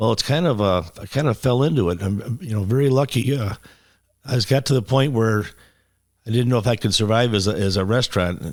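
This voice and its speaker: A man with an American accent speaks at a very fast pace. His pitch is medium with ordinary variation, on a very clean recording with a silent background. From western New York (Pittsford, near Rochester). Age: 60s. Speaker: pub and music venue owner. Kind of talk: radio interview.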